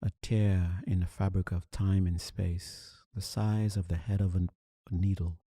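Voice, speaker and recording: A man leading a guided meditation as a teacher, speaking calmly and soothingly with long, deliberate pauses. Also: deep voice, breathy edge, no echo, studio quality.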